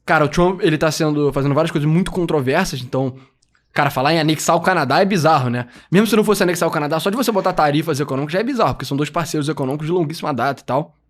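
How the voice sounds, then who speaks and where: A man's voice: fairly high pitch, racing. A man co-hosting a podcast, explaining political news in a loose, joking manner. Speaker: podcast co-host. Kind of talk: casual political chat.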